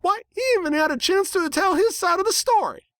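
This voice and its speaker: A man's voice: very high voice, a little fast, bright, forceful tone, dry recording, clean studio sound, pitched above the performer's own voice. A man voicing a small, fierce cartoon country filly, scolding with righteous indignation and folksy phrasing.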